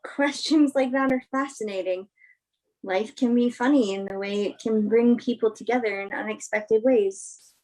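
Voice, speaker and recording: A woman's voice: on the high side, moderate pace, darkish tone, close to an everyday voice, poor audio. A woman acting the part of a candid, principled movie star giving an interview in a naturalistic play reading, frank and reflective. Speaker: actress in a virtual staged reading.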